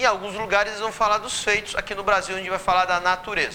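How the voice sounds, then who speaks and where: In a Brazilian accent, a raised, projected voice comes through in an animated tone over noticeable background noise. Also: man. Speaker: teacher. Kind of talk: lecture. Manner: fast.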